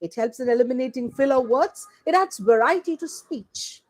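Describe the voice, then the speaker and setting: A woman giving a slide-based lecture as a teacher trainer, listing her points one by one in a deliberate way. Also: low-quality recording. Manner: slow, deliberate delivery with animated pitch; lists points one word at a time.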